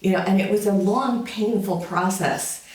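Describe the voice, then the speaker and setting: Picked up by a faraway mic in a roomy space, a lecturer in their 50s chats through an informal summer school session, peppering it with fillers and dry humor. They speak at a moderate pace in a mid-range voice.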